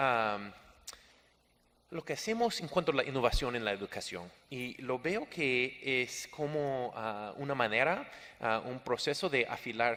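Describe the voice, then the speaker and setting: A man with an American accent, a bright, sharp tone, medium pitch, lively intonation and a fairly slow pace. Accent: non-native Spanish, American. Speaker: education official, panelist. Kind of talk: conference talk. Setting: conference stage with audience. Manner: halting, many fillers.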